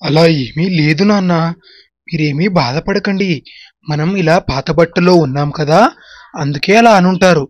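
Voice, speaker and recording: A man's voice: a little high, normal speed, no room sound, studio quality, lightly acted. A man playing a poor, humble, disabled beggar father who is tender with his children, in a dramatised moral story. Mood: consoling. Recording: muffled lo-fi audio under music.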